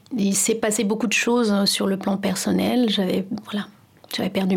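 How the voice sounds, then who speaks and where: This woman talks with ordinary pitch variation. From Cameroon. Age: 40s. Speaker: pastor. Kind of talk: testimony. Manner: hesitant, frequent filler sounds.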